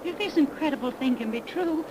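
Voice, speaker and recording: An actress playing a brave young nurse in a 1930s radio horror drama, speaking earnestly. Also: female voice, sits high, a little fast, natural voice. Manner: earnest, anxious. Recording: hissy 1930s radio recording.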